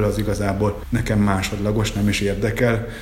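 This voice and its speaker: Amid noticeable background noise and audible room echo, a man speaks at a fairly low pitch in a monotone, flat intonation. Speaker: company founder and managing director. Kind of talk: interview.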